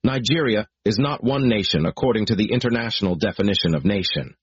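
A man with a low, husky voice reads a formal proclamation, solemn and measured, each clause weighed out. The recording is dry and dull, with a slightly muffled lo-fi sound. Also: dry recording. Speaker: speaker reading a declaration.

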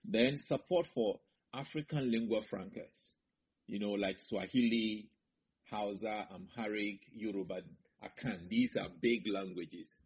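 A man, a linguistics professor answering interview questions in a measured way, setting out his points one by one and closing firmly. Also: fairly low pitch, slightly rough. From Ghana. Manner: measured, lists points in order, firm conclusions. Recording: slightly muffled broadcast audio.

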